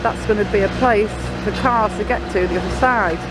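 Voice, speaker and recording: A woman's voice: medium pitch, brisk, loud music behind the voice, poor audio. A woman giving chatty, rambling walking commentary to her viewers outdoors, a little sniffly, filmed on a handheld camera. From Blackpool, England. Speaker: local vlogger. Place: outdoors by a building site and tram stop. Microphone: handheld camera filming as she walks. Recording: loud outdoor traffic noise. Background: passing cars and trams.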